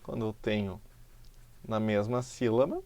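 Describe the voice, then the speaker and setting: In a lowish, warm voice, a Brazilian Portuguese-accented man patiently explains a recorded lesson, slowly stretching out example words.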